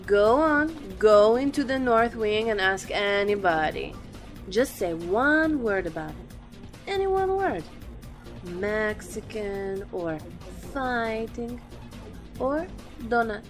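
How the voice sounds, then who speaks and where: A woman's voice: mid-range voice, lively intonation, takes it slowly, faint music behind. A woman playing a sassy, gossipy office worker in an audio drama. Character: sassy, gossipy female office worker spreading tall tales.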